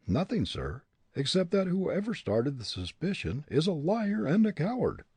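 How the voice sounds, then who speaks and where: A man playing a defiant young prisoner, pitched high. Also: huge pitch swings, moderate pace, vocal fry, warm tone, husky, no room sound, full character voice. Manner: proud, scornful.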